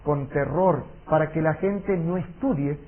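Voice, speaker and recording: Emphatic man teaching a Bible seminar. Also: on the high side. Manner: earnest, emphatic, slows for solemn warnings. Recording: tinny lo-fi audio recording.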